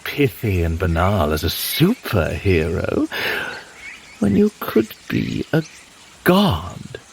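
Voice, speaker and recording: An actor playing a sly, grandiose, century-old mutant villain in an audio drama, with pompous, silky, drawn-out persuasion. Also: male voice, low voice, big pitch swings, gravelly, slight background noise, exaggerated voice. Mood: gloating, tempting.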